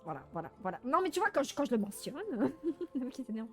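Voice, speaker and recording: Female game streamer, high voice, playful and self-mocking, chatty live commentary over faint music. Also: fast talker. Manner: animated, frequent laughing and exclaiming. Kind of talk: casual live gaming commentary.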